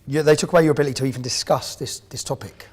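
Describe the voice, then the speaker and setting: A man's voice: mid-range voice, fairly even intonation, racing, darkish tone, breathy edge. A man interviewing people for a documentary, pressing them with probing, leading questions.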